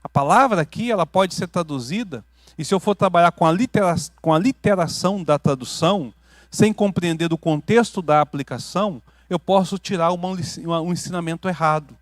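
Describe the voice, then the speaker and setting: A Brazilian man preaching a teaching sermon as pastor, building to loud emphatic peaks and dropping to quiet asides, often checking in with his listeners. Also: sits high, fairly quick, no room sound. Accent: Brazilian Portuguese. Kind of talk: teaching sermon with questions to the congregation. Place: church hall.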